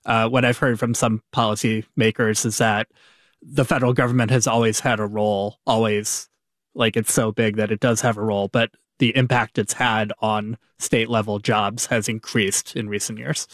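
A man who reports on business and technology, speaking on a radio panel in a halting way, with fillers and restarts. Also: lowish voice, little pitch movement, no echo. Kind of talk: casual panel talk.

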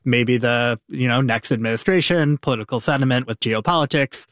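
A man who reports on business and technology, speaking on a radio panel in a halting way, with fillers and restarts. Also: mid-range voice, fairly bright tone, no room sound, clean studio sound. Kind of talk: casual panel talk.

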